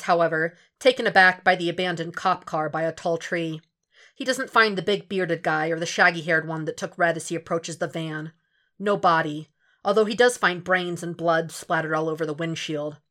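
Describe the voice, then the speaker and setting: A woman's voice: fairly low pitch, bright, forceful tone. A woman reading scripted fiction aloud as an audiobook narrator, in a dramatic storytelling style.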